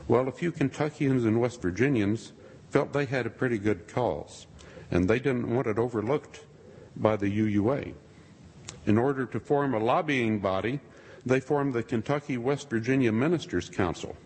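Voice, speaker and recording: A man giving a sermon-style talk to a congregation, with dry, wry asides and a husky voice. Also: mid-range voice, normal speed, a little mellow. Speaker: speaker addressing a congregation. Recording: long reverb of a large hall.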